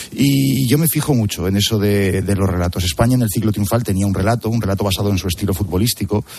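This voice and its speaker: Someone talks at a very fast clip with ordinary pitch variation over noticeable background noise. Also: man. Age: 30s. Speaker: journalist, commentator. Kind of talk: radio panel discussion.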